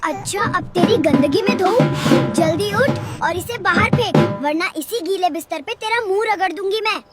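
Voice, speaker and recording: A woman doing a shrill scolding cartoon wife. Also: moderate pace, loud music behind the voice. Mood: threatening. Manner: scolding, insulting, loud nagging. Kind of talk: cartoon comedy dialogue.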